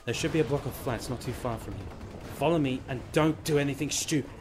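A man's voice: mid-range voice, fast talker, natural voice. A man playing a terse soldier, noisy background. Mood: firm, curt. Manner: terse, commanding. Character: curt, strained male soldier, sole survivor of his squad. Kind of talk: audio drama acting. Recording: clear background noise, amateur audio drama.

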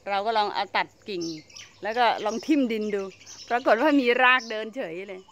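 A woman's voice: medium pitch, a little fast, fairly bright tone, slight background noise. A woman giving a chatty, casual tour of her home vegetable garden, exclaiming and laughing as she shows the plants. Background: birdsong.

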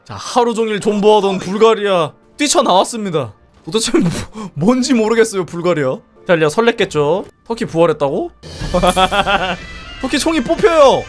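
A man's voice: high voice, expressive, normal speed, faint music behind. A young man commentating a multiplayer strategy game live, exclaiming and laughing often, his voice a little strained. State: strained voice from singing.

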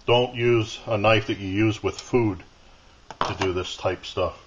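Man, low voice, casual demo, plain step-by-step explaining, home workshop bench, muffled lo-fi camera sound. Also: unhurried, noisy background. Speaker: outdoor gear video maker. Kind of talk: casual hands-on demonstration. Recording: dull lo-fi camera audio.

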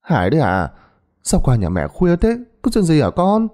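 A man voicing a brisk, blunt elderly village grandmother who calls out loudly in a ghost-story telling. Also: fairly high pitch, wildly swooping pitch, voice pushed up. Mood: calling out. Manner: calls out loudly, bossy and familiar.

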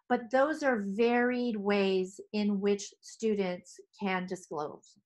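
A middle-aged woman, a speech therapist, presenting to fellow clinicians from her office, talking with lively hand gestures into a headset mic. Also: on the high side. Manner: animated, gesturing with both hands. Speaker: speech-language pathologist. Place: home office.

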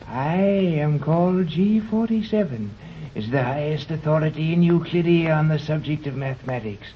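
A man's voice: fairly high pitch, lively intonation, normal speed, a little hiss or hum, lightly acted. An actor playing an aloof, haughty male mathematician in a 1930s radio drama, speaking in a lofty, clipped way. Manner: lofty, clipped, laughs mockingly. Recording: dull old 1930s radio recording.

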